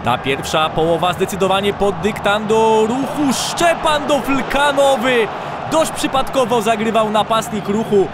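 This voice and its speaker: High-voiced man calling football highlights. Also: measured pace. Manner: calm narration breaking into shouts on chances. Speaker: sports commentator. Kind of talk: highlights commentary. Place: voice-over over stadium crowd sound. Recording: loud crowd and field noise underneath. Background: stadium crowd and noise.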